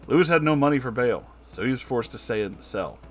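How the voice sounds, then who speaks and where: A man's voice: mid-range voice, animated, quick pace, soft background music. A man narrating a comedic story as host, with an emphatic, dramatic storytelling delivery.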